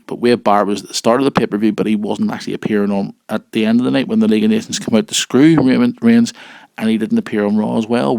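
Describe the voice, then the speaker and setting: A man with a husky voice from a cold, hosting a casual wrestling news show and chatting informally and directly to listeners. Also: lowish voice, a little mellow, dry recording. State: has a cold.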